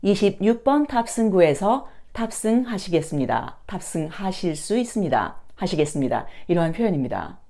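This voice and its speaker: A woman with a fairly low voice and very varied intonation teaches a language lesson. She explains politely, step by step, and sets out example phrases clearly for learners to practise. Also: big pitch swings, moderate pace, hardly any pauses, warm tone. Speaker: English teacher and video host.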